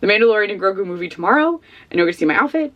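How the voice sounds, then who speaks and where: A woman's voice: mid-range voice, animated, racing, a bit bright, highs cut off. A woman vlogging at home, chatting casually and rambling through frank book opinions, sniffly and losing her voice. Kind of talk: casual book review chat.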